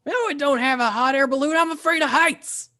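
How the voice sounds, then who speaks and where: A woman's voice: high voice, fairly quick, sharp tone. A woman improvising as an anxious female leprechaun, stammering through complaints on a theater stage. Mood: complaining. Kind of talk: improv comedy scene.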